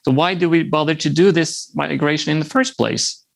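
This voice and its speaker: A man in his thirties from Norway gives a conference presentation in a relaxed, friendly way and drops in small jokes. His voice is gravelly with some fry. His first language is Norwegian. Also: a little high, normal speed. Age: 30s. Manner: friendly, lightly humorous, occasional restarts. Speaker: software developer presenting.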